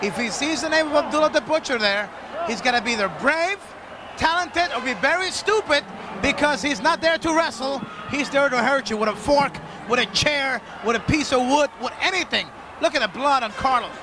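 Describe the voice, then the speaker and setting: A man doing lucha libre announcer commentary as a show host, with emphatic, dramatically drawn-out phrasing. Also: extremely high pitch. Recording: noisy archival arena broadcast, crowd behind. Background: loud wrestling crowd.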